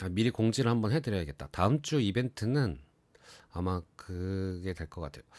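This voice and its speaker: In a very clean recording with a silent background, a man with an ordinary speaking voice talks at a moderate pace, his fairly low pitch carried by lively intonation. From South Korea, Yeongdong (Chungcheong). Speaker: YouTube channel host. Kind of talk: live stream chat, giveaway draw. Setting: live stream.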